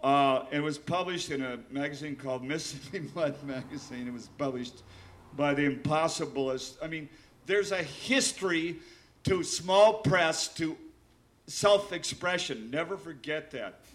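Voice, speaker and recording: An older man from Oregon reading his poems aloud, halting and emotional, repeating himself and swearing between stanzas. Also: fairly high pitch. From Willamette Valley, Oregon. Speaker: poet reading his work. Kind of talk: poetry reading with spoken asides.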